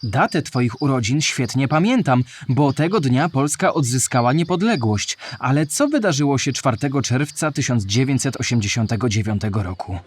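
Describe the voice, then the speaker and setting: A curious kid critter for a children's story, super animated pitch, kinda husky, earnest and polite. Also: male voice, normal speed, hardly any pauses. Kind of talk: animated children's radio play, scripted questions.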